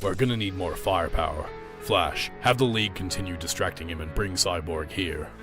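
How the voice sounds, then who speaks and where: A man voicing a grim, commanding superhero with a low gravelly voice for a fan animation. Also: a little fast, over music, natural voice.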